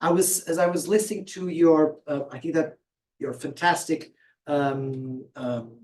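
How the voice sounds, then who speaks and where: A man asks a question after an academic lecture, his voice sitting a little high for a man. He speaks thoughtfully and hesitantly, often stopping to search for words. His voice is caught from some distance away from the microphone. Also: fairly even intonation, unhurried, darkish tone. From Portugal. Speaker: audience member asking the speaker a question. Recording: voice picked up from far off the mic.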